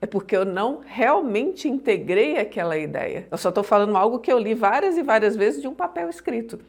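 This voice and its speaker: A woman's voice: fairly high pitch, animated, brisk. A woman teaching an online course on public speaking, explaining points emphatically and often checking that listeners follow.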